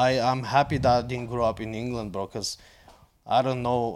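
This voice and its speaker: The speaker has a Bulgarian accent. The intonation stays fairly even. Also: man. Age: 30s. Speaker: stand-up comic. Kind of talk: casual chat.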